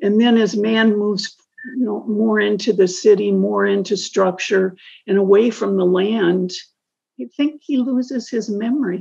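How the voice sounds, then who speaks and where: Somewhat breathy and dark, mellow in tone, a woman with an American accent speaks at a moderate pace with ordinary pitch variation. Her loudness swings widely against a quiet background. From US South. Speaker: historical society founder and book discussion moderator; book discussion moderator. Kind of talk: moderated book discussion. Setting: video call. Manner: formal. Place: home room. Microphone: video call.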